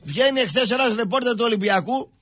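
A man's voice: very high voice, fairly bright tone, faint music behind. A man ranting as a football pundit on a radio show, stammering and slipping into a sing-song delivery. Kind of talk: heated radio sports rant.

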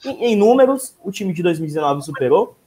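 High-pitched man hosting sports talk. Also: sing-song, quick pace, dark tone. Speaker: host. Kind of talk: casual live sports talk. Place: room at home, indoors. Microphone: wired earphone mic on video call.

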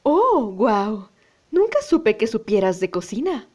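A woman's voice: fairly high pitch, big pitch swings, slow, muffled recording, a little hiss or hum. A woman voicing a kindly, polite mother hedgehog in a cartoon fan dub. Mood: warm, polite. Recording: loud music behind the voice.

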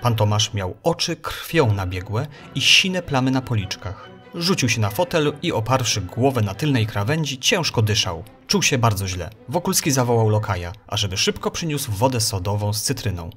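A man's voice: mid-range voice, sing-song, moderate pace, a bit bright, soft background music. A man narrating a detailed chapter summary of a novel, reading the quoted dialogue with some expression.

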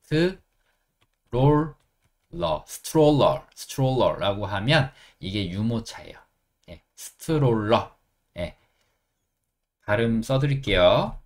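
A middle-aged man with a Korean accent, teaching an English lesson and repeating phrases slowly, step by step. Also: on the low side, expressive.

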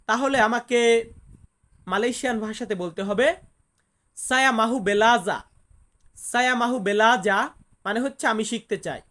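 A woman's voice: fairly high pitch, a bit bright. Patient woman teaching phrases. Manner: patient, repeats each phrase slowly to drill it. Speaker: language teacher. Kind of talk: online language lesson.

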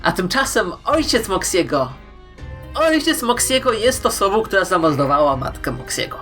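A woman hosting online fan commentary, playful and emphatic, with dramatic pauses. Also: medium pitch, big pitch swings, fairly bright tone, faint music behind. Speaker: YouTube host. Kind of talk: scripted fan-theory commentary to viewers.

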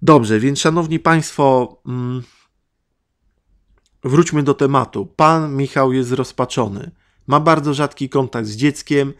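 A man's voice: medium pitch, takes it slowly. A man from Poland hosting a podcast, delivering an angry, sarcastic monologue full of swearing and rhetorical questions. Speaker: podcast host. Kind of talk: ranting monologue.

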